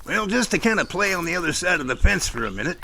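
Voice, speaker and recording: Man playing a gravelly, bright-voiced debater. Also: high-pitched, very animated, fast talker, a little hiss or hum, heavily acted. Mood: reasoned. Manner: explanatory, argumentative, long reasoned speeches. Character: opinionated, reasoning male friend debating strange phenomena. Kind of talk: audio drama dialogue.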